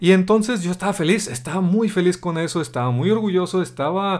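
A fairly quick pace over a quiet background. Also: man. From Mexico. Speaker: programming YouTuber; programming youtuber. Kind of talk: personal vlog testimony. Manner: halting, stuttering. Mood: reflective, personal confession. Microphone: studio mic.

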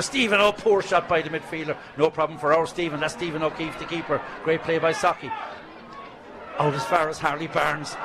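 Over crowd noise in the background, a man with a Munster Irish accent speaks fairly quickly in a high voice. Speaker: radio sports commentator. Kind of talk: live sports commentary. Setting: stadium, live match. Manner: fast, fluent play-by-play.

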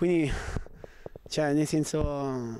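This man's pitch is fairly high and his intonation fairly even. The sound is dry with no echo, over light background noise. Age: 30s. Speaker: magician and clown with a bone disease; interviewee. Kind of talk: interview testimony. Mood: warm, grateful. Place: garden. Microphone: handheld.

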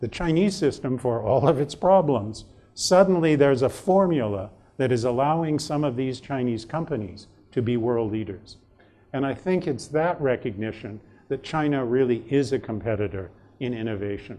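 A man with a Canadian accent talks at a moderate pace and a medium pitch. His tone is dark and mellow, with lively intonation. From Canada. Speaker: professor. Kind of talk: lecture. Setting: stage with audience. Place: hall.

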